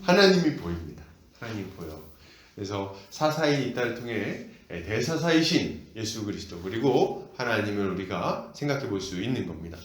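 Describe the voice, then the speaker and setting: A man's voice: fairly low pitch, moderate pace, hardly any pauses. A male pastor preaching an expository sermon and asking the congregation questions, in an echoey church hall. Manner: animated, asks the congregation questions.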